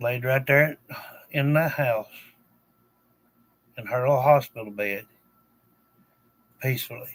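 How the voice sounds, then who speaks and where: A man in a Southern US accent, with long, frequent pauses. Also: medium pitch for a man, fairly even intonation. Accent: country Southern. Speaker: vlogger. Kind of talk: personal monologue to viewers. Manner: halting.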